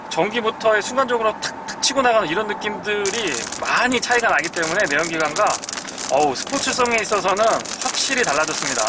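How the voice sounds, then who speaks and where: A man with a notably high voice presents a car review in an explanatory, polite way. He sounds like a test-drive reviewer talking through features, with some vehicle and street noise behind him.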